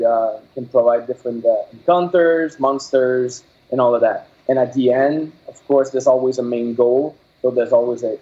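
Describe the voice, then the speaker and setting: Halting Québécois French-accented man, muffled. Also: medium pitch, dark tone. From Quebec, Canada. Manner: halting, many fillers and restarts while searching for words. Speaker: game developer guest. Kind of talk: casual interview. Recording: dull lo-fi audio.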